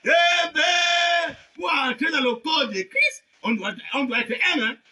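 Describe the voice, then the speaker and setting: A male preacher delivers a fervent, shouted sermon. His voice sits high and rings with a sharp, intense brightness. He swings from loud high cries down to low murmurs and punctuates his points with repeated amens. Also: slow, a faint crowd.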